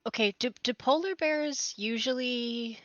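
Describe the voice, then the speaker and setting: A woman chatting casually during a tabletop roleplaying game, puzzling aloud with questions and repeated, halting words. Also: on the high side, a bit bright, dry recording, lo-fi sound, faint music behind. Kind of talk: casual in-character chat.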